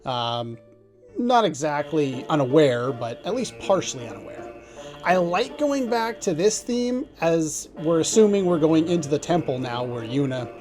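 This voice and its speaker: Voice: medium pitch, sing-song, normal speed, a little mellow. A let's play commentator thinking aloud in a casual, rambling reaction to what is playing. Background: radio drama music.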